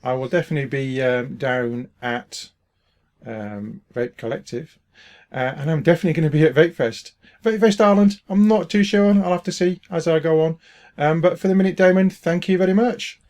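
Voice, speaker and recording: A man's voice: fairly high pitch, moderate pace, darkish tone. A man hosting a casual interview, easygoing and hesitant with many fillers. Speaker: host interviewing a guest.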